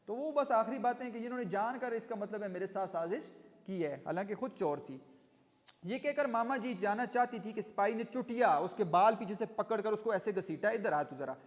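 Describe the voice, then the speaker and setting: Male teacher, reading a story and explaining it, high voice, long echoing reverb. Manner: explains line by line, glossing hard words. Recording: long reverb in an echoey room.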